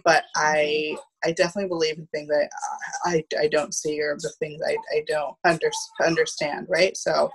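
Low, husky woman, halting storyteller. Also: poor audio. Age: 30s. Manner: halting, repeating first syllables of words. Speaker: guest, theatre producer. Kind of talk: casual storytelling in conversation. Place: small room at home, on a video call. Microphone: video call, wearing headphones.

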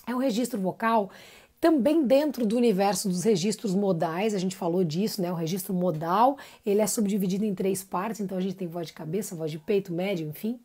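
A woman's voice: mid-range voice, a little fast, dark tone, slightly rough. A woman giving a live-streamed singing lesson, chatty and encouraging, greeting viewers by name between explanations. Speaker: singing teacher.

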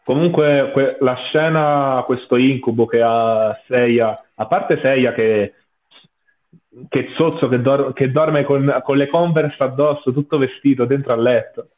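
A man's voice: medium pitch, unhurried. Young man on a tinny, phone-like call. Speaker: guest panelist. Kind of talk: casual episode discussion. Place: small room at home. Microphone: headset on video call.

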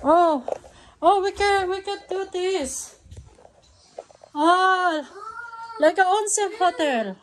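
A woman's voice: extremely high pitch, slow pace, long pauses. A Filipino woman chatting casually in an exclamatory, playful way, with a Filipino accent and Tagalog as her first language. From Philippines. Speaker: vlogger. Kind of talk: casual family vlog chat. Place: indoors in a hotel lobby, corridors and room. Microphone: handheld phone. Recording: handheld phone recording with slight background noise.

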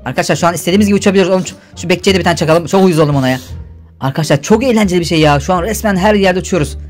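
Fast-talking playful gaming host, a man. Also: high voice, a little mellow, faint music behind. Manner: playful, teasing. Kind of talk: gameplay commentary with role-play.

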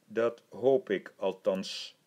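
A man's voice: lowish voice, extremely slow, darkish tone. A modest young courtier, voiced by a man reading a storybook, speaking earnestly and humbly. His tone stays respectful and unassuming. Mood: humble. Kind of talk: audiobook reading.

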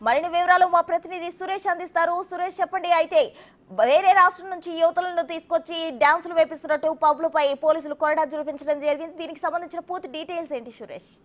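A woman news anchor delivers scripted news at a brisk clip. Her voice sits high, and soft music plays beneath her. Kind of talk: news reading.

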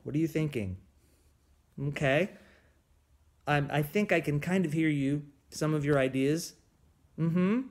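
A male music teacher giving a gentle, encouraging music lesson to young children from home. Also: fairly high pitch, unhurried, pauses often. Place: at home on a bed.

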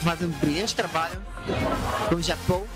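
Higher-pitched young Brazilian man interviewing. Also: steady tone, a little fast. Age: young adult. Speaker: interviewer and music producer. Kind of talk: casual interview chat. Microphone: handheld recorder. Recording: music playing behind the voice.

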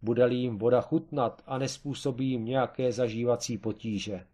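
A man voicing a cautious doctor in a comic storybook reading, measured and objecting. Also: medium pitch, steady tone, warm tone, lightly acted. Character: cautious reasoning male doctor.

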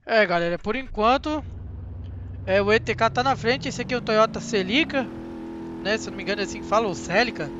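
Young Brazilian man, very high voice, chatty gameplay commentary, faint engine noise behind. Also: quick pace, dull audio. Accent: Brazilian Portuguese. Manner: chatty, excitable, talks straight to viewers. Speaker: gaming channel host.

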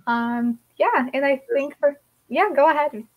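A woman's voice: sits high, unhurried, narrow, tinny audio. A woman hosting an online club interview, chatty, with many likes and restarts. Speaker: host of an English learners' club. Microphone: video call.

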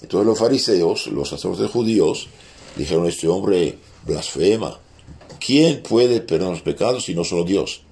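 Priest with a French accent, very low voice, halting catechism teacher who quotes scripture. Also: male voice, animated, darkish tone. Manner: halting, with many restarts, quoting scripture aloud. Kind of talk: catechism lesson.

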